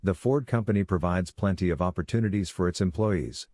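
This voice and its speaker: A man's voice: low-pitched, a little fast, a little mellow, slight background noise. A man reading a scripted passage aloud for exam practice.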